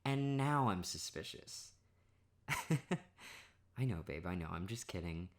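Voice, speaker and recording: Playful young man, soft boyfriend ASMR. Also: low-pitched, lively intonation, takes it slowly. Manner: playful, self-mocking, laughing often. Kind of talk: ASMR roleplay monologue.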